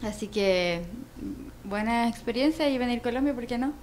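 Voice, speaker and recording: A woman's voice: a little high, moderate pace, a little mellow, a little hiss or hum. A woman in her twenties with a Chilean accent, a student guest giving casual interview answers.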